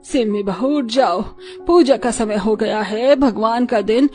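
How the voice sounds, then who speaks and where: A woman plays a strict traditional mother-in-law in an animated story. She speaks in a firm, scolding tone at a slightly raised pitch. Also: unhurried, faint music behind, natural voice. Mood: stern scolding. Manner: scolding, stern.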